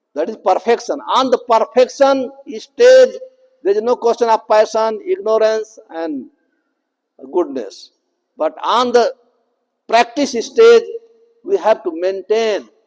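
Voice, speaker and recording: A loud man with an extremely high pitch and lively intonation speaks at a very slow pace. Long, frequent pauses break up his speech, in a dry, close sound with no echo. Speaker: spiritual teacher. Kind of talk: lecture.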